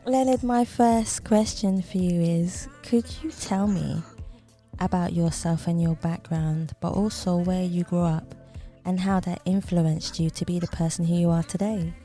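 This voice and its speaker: Warm-voiced, effusive woman podcast host. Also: on the low side, steady tone, a little slow, faint music behind. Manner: upbeat, effusive, thanks often. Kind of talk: podcast interview hosting.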